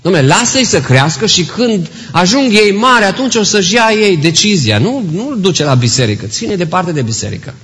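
A man's voice: high-pitched, big pitch swings, few pauses, fairly bright tone, long reverb tail, voice pushed up, exaggerated voice. A preacher doing a dismissive skeptic man. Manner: dismissive, arguing. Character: skeptical man against raising children in church.

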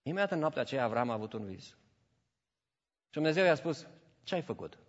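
A man preaching a sermon, telling stories and acting out the voices in them, with English phrases mixed into his preaching. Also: mid-range voice. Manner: animated storytelling, acts out voices in anecdotes. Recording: dull audio with long church reverb.

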